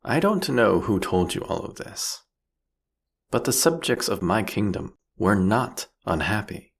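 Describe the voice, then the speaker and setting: A man playing a proudly ruthless, philosophical vampire king in a fantasy audio roleplay, speaking eloquently and mockingly in a drawn-out, theatrical way. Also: on the low side, very animated, vocal fry, husky, exaggerated voice. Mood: defiant, mocking.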